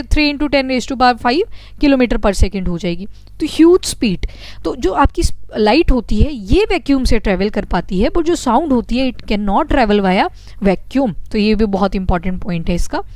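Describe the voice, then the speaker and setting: Smooth-voiced woman teaching physics. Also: high-pitched, a little mellow, no echo. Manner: explains step by step, asks and answers own questions. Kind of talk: exam-prep science lecture.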